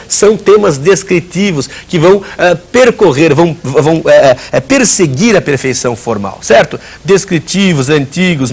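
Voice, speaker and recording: A man with a slightly raised, husky voice gives a recorded lesson to students. He talks in loose spoken runs full of fillers and restarts and slips in ironic asides along the way. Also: a little high. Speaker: teacher.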